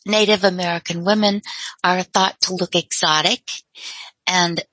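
A woman calling a talk radio show, speaking reflectively and laughing softly between thoughts. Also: on the low side, steady tone, a little slow, no room sound, poor audio. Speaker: caller.

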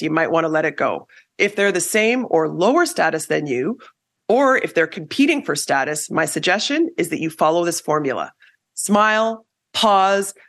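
A woman hosting a podcast, giving scripted advice on communication in an emphatic, coaching way. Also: on the low side. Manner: lively, emphatic coaching delivery. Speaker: podcast host.

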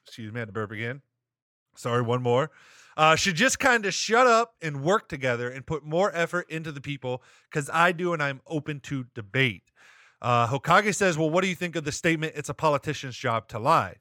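A man's voice: fairly high pitch, animated, a little fast, bright, forceful tone, dry recording, clean studio sound. A man co-hosting a live-streamed talk show, rambling and hedging with lots of restarts as he reads chat and gives his view. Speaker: podcast co-host.

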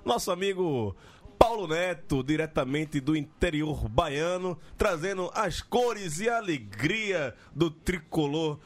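Higher-voiced Northeastern Brazilian host, a man. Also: lively intonation, slow. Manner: playful, teasing, profane. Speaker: sports podcast host. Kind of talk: casual hosting banter.

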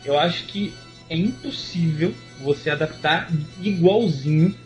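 A man hosting a casual podcast, who talks in a relaxed, slangy, joking way. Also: a little high, a little slow, loud music behind the voice. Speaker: podcast host.

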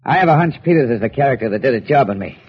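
An actor playing a beaten-up, shifty card sharp with an American accent, in 1940s radio-drama style and a stammering way of talking. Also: male voice, medium pitch, animated, rapid-fire, slightly rough, in a large hall. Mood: wary. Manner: nervous, stammering. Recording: dull old radio recording.

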